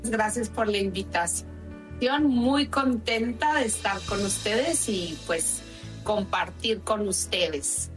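A Mexican woman in her forties, a psychologist and family therapist, talking in a slow, friendly, thoughtful way as a radio guest. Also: mid-range voice, recorded from a distance, soft background music. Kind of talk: interview.

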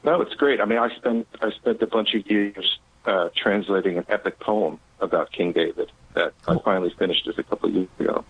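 A man calling in to a radio show, talking thoughtfully with many halting restarts over a phone line. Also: fairly low pitch, fairly even intonation, slightly rough. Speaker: radio caller. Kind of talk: phone-in chat.

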